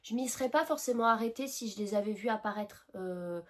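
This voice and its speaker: A woman's voice: mid-range voice, fairly quick. A woman with a French accent, chatting casually to camera about her hobby, hesitant with many fillers and restarts, her nose tickled by pollen. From France. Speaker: cross-stitch vlogger.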